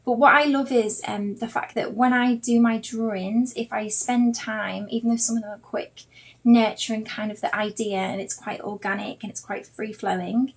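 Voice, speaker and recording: Higher-voiced Liverpool woman, chatty. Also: steady tone, normal speed. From Liverpool, England. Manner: chatty, rambling, addresses viewers directly. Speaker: artist and online drawing teacher. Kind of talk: informal live-stream art tutorial.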